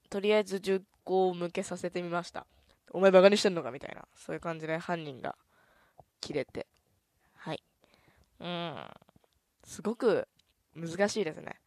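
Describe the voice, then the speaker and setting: A woman with a slightly low voice hosts a relaxed radio talk segment. She speaks softly and easily, with a stuffy nose. The sound is close and completely dry. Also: no echo. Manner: soft, easygoing, chatty, with many "un" fillers. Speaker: radio host. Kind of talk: casual radio chat.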